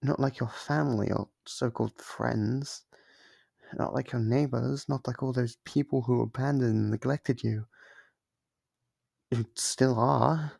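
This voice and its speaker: A breathy, gravelly demon, acted by a man in an ASMR roleplay, recorded close and dry. He is lonely and clingy, speaking with tender, obsessive devotion and hesitant, coaxing intimacy. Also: mid-range voice, fairly even intonation, a little slow, darkish tone, no room sound, full character voice. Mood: yearning, coaxing.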